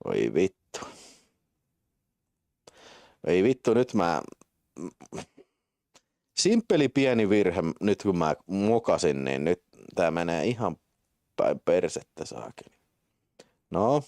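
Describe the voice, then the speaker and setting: A man streaming live to his viewers, casual and quick to swear, laughing at his own mistakes. His voice rises and falls widely, and he breaks into high, excited play-by-play when the match starts. The sound is dry and close to the mic. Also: gravelly, dry recording. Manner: swearing, self-mocking, jumps to excited high-pitched play-by-play. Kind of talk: casual live-stream chat and game commentary.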